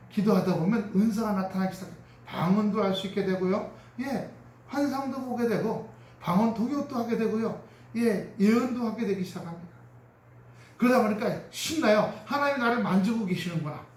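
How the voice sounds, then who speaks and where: A man preaches a sermon in a fairly high voice, shifting into acted prayers and chuckling as he goes. He sounds set back from the microphone, and his voice rings through a reverberant church sanctuary. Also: slight background noise. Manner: animated preaching, acting out prayers and quarrels; chuckles often while speaking. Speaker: pastor. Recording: roomy echo from a distant mic.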